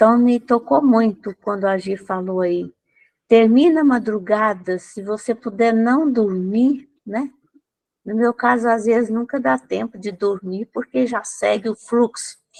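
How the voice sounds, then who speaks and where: A woman speaks in a plain, everyday voice, fairly high in pitch, with lively intonation at a fairly slow pace. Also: dry, close sound with no echo. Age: 60s. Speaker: participant in online prayer meeting. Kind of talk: testimony. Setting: video call.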